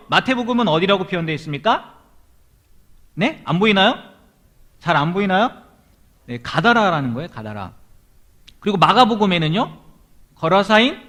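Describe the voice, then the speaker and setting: A man's voice: high voice, pushed and bright. A male pastor preaching to a young adult congregation in church, and he often puts questions to his listeners. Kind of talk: sermon. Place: church hall.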